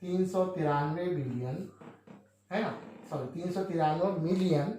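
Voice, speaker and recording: A man's voice: on the high side, a little mellow, very echoey. A male teacher explaining a maths lesson, who asks questions and answers them himself with frequent checks on his listeners.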